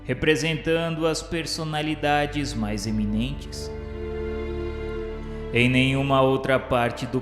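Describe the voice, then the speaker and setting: A man with a Brazilian accent narrating a radio drama from a script in a solemn, formal, declamatory way. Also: medium pitch. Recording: echoey long reverb, music underneath. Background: music.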